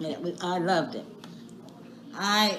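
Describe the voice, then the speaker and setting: A woman speaks with an American accent. Noticeable background noise and audible room echo fill the recording. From New Jersey. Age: 90s. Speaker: civil rights activist. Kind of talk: interview. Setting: pre-recorded video.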